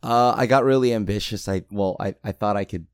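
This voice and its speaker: A hoarse man co-hosting a casual podcast, halting and repeating words as he thinks aloud. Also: fairly low pitch, dry recording, clean studio sound. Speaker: podcast co-host.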